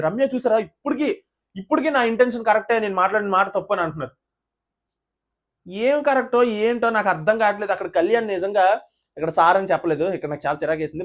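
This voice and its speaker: Rapid-fire show reviewer ranting to camera, keeps firing rhetorical questions at viewers, mid pitch. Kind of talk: fast casual commentary to camera.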